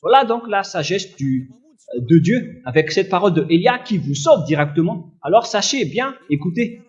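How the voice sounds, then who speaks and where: A man preaching a fervent sermon in a loud, forceful, admonishing manner, reading and explaining scripture. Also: high voice, sing-song, moderate pace, dull audio. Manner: accusatory, admonishing.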